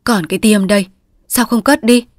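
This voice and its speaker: A woman's voice: fairly high pitch, moderate pace, dry recording, clean studio sound, voice pushed up, lightly acted. A woman voicing a male opium addict in painful withdrawal, whining and pleading, breaking into frantic cries. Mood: weary pleading.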